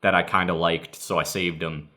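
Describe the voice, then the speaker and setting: A man's voice: sits low, fairly even intonation, normal speed, pushed and bright. A young man co-hosting a podcast in casual, conversational talk. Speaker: podcast co-host. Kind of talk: casual chat.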